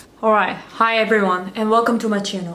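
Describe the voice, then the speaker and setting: A woman with a Korean accent speaks at a moderate pace in a fairly high voice, with noticeable background noise and audible room echo. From South Korea. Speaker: YouTuber. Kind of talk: casual vlog talk to camera.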